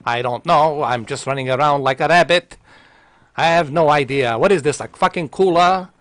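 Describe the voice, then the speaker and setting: A man's voice: a little high, normal speed, a bit bright, no room sound. A man in his thirties streaming a game from home into a headset mic, joking, teasing his chat and swearing as he plays. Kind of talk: casual gameplay commentary. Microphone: headset with large foam mic.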